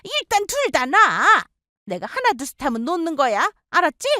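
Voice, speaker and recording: A woman voicing a frantic older mother-in-law who scolds in a shrill voice. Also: sing-song, moderate pace, pushed and bright, no room sound, studio quality, full character voice. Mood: alarmed.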